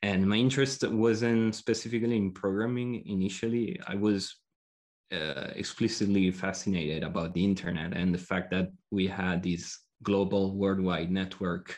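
Set against a quiet background, a man keeps a fairly low pitch, fairly even intonation and a moderate pace. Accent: Italian. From Italy, near Milan. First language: Italian. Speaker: software engineering consultant and author. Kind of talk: interview.

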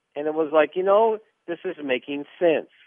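With a normal speaking voice, this man sounds fairly high in pitch and lively in intonation. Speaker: caller, former weight-loss client. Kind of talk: testimony. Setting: phone call.

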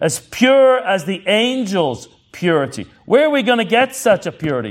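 A man with an English accent speaks at a high pitch and a fairly slow pace. His intonation is lively, on a very clean recording with a silent background. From England. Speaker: church history lecturer. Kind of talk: lecture. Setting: stage with audience. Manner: halting, many fillers.

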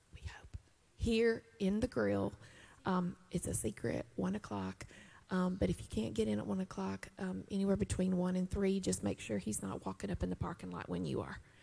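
In a very clean recording with a silent background, a woman's speech proceeds at a moderate pace. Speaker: congregation member. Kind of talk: announcement. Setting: church.

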